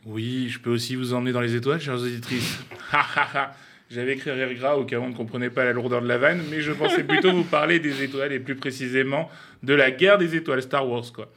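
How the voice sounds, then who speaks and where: A man's voice: medium pitch, steady tone, quick pace, a bit bright. A young man giving a scripted, playful radio column, mock-pompous and laughing at his own jokes.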